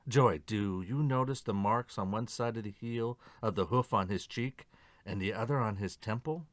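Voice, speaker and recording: A man acting a methodical police inspector in an audio mystery play, measured and questioning. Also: lowish voice, no room sound, lightly acted. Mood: probing, calm.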